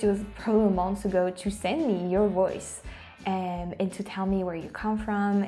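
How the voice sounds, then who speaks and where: A woman's voice: mid-range voice, warm tone. A young woman with a French accent, a YouTuber chatting casually to camera from a small room, often restarting and dropping into whispers. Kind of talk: casual vlog chat.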